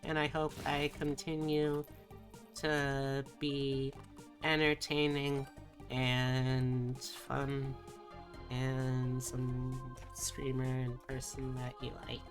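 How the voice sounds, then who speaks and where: A woman live streamer chatting casually with her viewers, rambling and thinking aloud in a halting way. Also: rumbling low, completely flat delivery, music in the background. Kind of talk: casual chat with livestream viewers.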